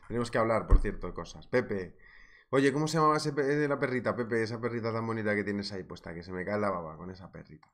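Spanish guy from spain running a live trading class, lowish voice, jokey, shouts out chat names. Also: brisk. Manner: chatty, jokey, greets chat viewers by name. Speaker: trading instructor. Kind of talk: live webinar, market analysis.

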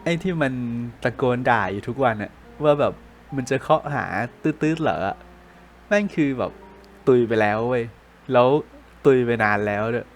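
A man casually telling a ghost story for a podcast, chatting like a friend with loose slang. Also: mid-range voice.

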